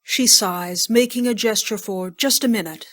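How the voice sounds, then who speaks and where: A woman's voice: medium pitch, normal speed, a bit bright. A woman narrator reading scripted scene headings and action for an audio drama.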